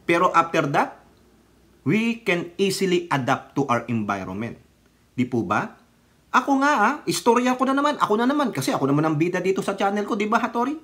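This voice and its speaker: High-voiced chatty man vlogging. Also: a bit bright. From Philippines. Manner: chatty, rambling, mixes Tagalog and English, asks viewers "di ba?". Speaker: political vlogger. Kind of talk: casual commentary vlog.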